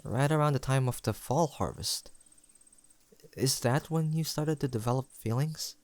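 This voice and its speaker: A man's voice: mid-range voice, no echo, natural voice. Man acting as a lovestruck young man, close and dry. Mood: playful, incredulous. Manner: conversational, hesitant, halting delivery with sighs and soft chuckles. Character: tender, playfully teasing young man, lovestruck childhood best friend. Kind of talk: intimate romantic audio roleplay spoken to the listener.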